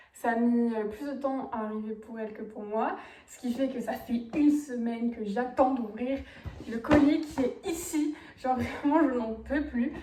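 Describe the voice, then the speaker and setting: A woman's voice: a little high, mellow, echoey room, far from the mic, slight background noise, poor audio. A woman booktuber chatting casually to camera, bubbly and gushing, dropping English slang into her talk.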